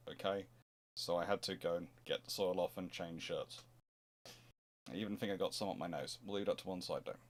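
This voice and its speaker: A man hosting an informal livestream history Q&A, explaining in a halting, conversational way with emphatic stresses. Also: on the low side. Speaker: host answering viewer questions.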